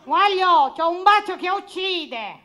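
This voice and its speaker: A cheeky, lovesick male clown from a puppet show, squeaky and shrill. The voice is high and piercingly bright, with a southern Italian accent. The words are stretched out slowly in a theatrical singsong. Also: animated, heavily acted. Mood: amorous, excited. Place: puppet booth on a theatre stage.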